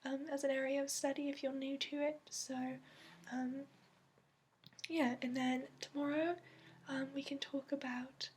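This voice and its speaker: ASMR fantasy mentor played by a woman: high, hushed, even-toned, put-on accent, gentle and hesitant delivery. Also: unhurried, slight background noise. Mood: gentle, encouraging. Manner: hesitant, gentle, meandering explanations with frequent fillers. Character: soft-spoken, patient female dragon expert interviewing a new student. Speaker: ASMR roleplayer. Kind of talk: ASMR roleplay, hushed and improvised.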